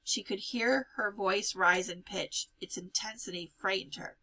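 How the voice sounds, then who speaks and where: A woman reads a novel aloud as a storyteller. Her voice is bright and forward, at an average pitch, and she tells it expressively. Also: unhurried, poor audio. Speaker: reader reading a novel aloud. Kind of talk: expressive storybook read-aloud with character dialogue.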